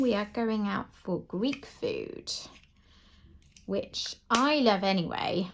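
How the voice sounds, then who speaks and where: A woman's voice: mid-range voice, a little hiss or hum. A middle-aged British woman chatting casually and in a rambling way as she hosts a craft video at home. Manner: chatty, rambling, often chuckling. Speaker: craft channel host. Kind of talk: casual chat while doing a craft. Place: indoors at home.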